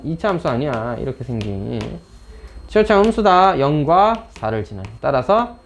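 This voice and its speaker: A man's voice: mid-range voice, a little hiss or hum. A man teaching a math class, joking and teasing his students as he explains. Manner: teasing, chatty, talks straight to students. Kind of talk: classroom lecture.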